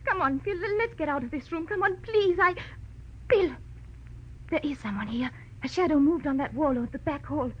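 A woman's voice: high voice, normal speed, slight background noise, natural voice. A woman playing a frightened, secretive woman in a 1940s radio drama, pleading in a faltering, melodramatic way. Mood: anxious pleading. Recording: muffled old radio recording.

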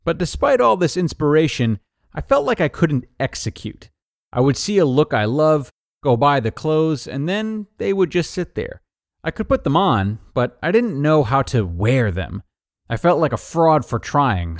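A man reading a scripted personal advice article aloud in an upbeat, tidy manner with clear phrasing. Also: on the high side, dry recording, clean studio sound.

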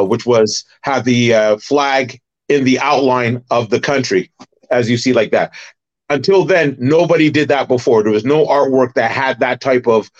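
A middle-aged man from Barbados, a former wrestler and promoter, recalling his career in an animated, detailed way as a podcast guest. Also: mid-range voice, highs cut off. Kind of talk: casual interview storytelling.

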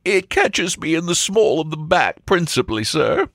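Faithful, servile butler, done by a male narrator: deferential comic storybook delivery, lively pitch, very dry recording. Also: normal speed, no room sound. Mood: grateful, tearful.

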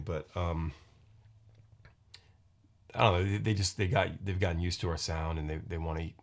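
A man in his forties hosting his own podcast, talking casually in a rambling, halting way, full of restarts and fillers. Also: deep voice, creaky. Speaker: podcast host and musician. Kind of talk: casual solo podcast monologue. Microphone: podcast microphone.

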